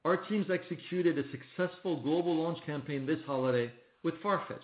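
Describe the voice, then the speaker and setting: A man, a company executive, reading a scripted corporate presentation on an earnings call in formal, measured phrasing. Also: fairly high pitch. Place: conference call line. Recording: muffled phone-like line, roomy echo.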